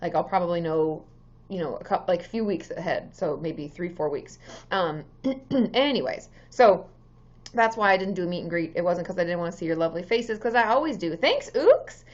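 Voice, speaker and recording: Hoarse, chatty woman live-streaming. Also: on the low side, lively intonation, normal speed, muffled recording. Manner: chatty, greets viewers by name, many ums. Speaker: therapist hosting a live stream. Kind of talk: casual live-stream chat with viewers.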